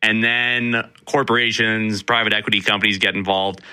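Male radio reporter, very bright tone, loose rambling chat. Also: lowish voice, moderate pace, smooth. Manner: animated, laughs easily, rambling. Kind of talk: casual radio talk.

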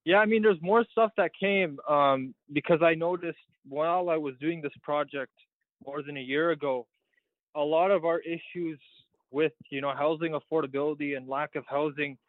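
A man's voice: fairly high pitch, no room sound. A teenage engineering student being interviewed on the radio by phone, eager and rambling as he explains. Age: teens. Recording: tinny phone line.

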